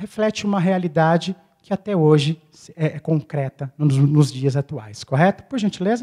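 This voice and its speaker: A man speaks in a dark, mellow tone at a fairly slow pace. The background is quiet. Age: 40s. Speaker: lecturer on literature. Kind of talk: lecture. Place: hall. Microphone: handheld.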